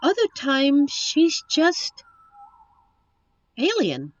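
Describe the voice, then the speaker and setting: A woman playing a captive young princess in a roleplay audio drama, witty and wistful, with genteel, formal storybook phrasing and thoughtful pauses. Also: sits high, wildly swooping pitch, dry recording, dull audio, exaggerated voice. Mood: troubled, fond. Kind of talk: roleplay audio drama, one side of a dialogue.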